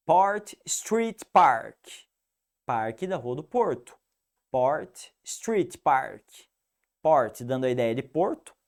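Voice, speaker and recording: Brief: upbeat male teacher, Piracicaba rolled-R accent, lively pitch, slightly high voice, drills rules. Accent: Piracicaba interior São Paulo, rolled R. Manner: animated, didactic, repeats rules for the student. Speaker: English teacher. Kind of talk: online video lesson.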